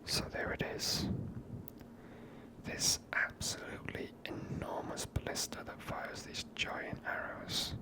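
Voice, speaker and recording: A person whispering ASMR commentary while playing through a video game in a hushed manner. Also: takes it slowly, low-quality recording. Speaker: game streamer.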